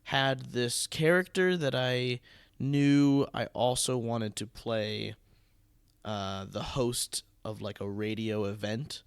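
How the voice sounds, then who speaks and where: Casting: male podcast host, mid-pitched, teasing and conversational, recorded dry. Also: steady tone, slow pace, gravelly, smooth, no echo. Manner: bantering, teasing. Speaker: podcast host, theatre producer. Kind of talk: casual podcast interview.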